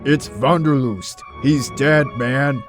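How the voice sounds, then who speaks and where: Man playing a slow, laid-back guy over music. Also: medium pitch, natural voice. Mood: subdued. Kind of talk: amateur audio drama acting.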